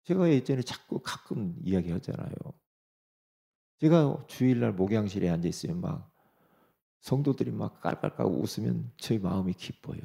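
A middle-aged male pastor preaching a sermon, swinging between soft asides and loud exhortation. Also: on the low side, lively intonation, normal speed, gravelly.

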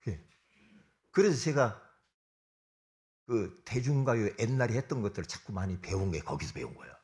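A man's voice: on the low side, lively intonation, moderate pace, darkish tone. A man preaching a sermon as pastor, emphatic, often throwing rhetorical questions at the congregation.

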